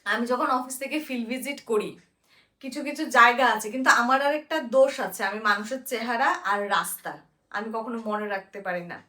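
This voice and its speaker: A woman's voice: high-pitched, bright, forceful tone. A young woman chats casually and expressively for a vlog, mixing in some English words. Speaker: vlogger. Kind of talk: casual vlog chat to camera and companion.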